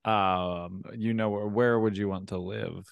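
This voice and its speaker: A man hosts a podcast in a fairly low voice. He chats casually and agreeably, with a laid-back manner. The sound is very dry, free of room echo. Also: steady tone, measured pace, vocal fry, clear, resonant tone, muffled recording. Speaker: podcast host. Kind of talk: casual chat.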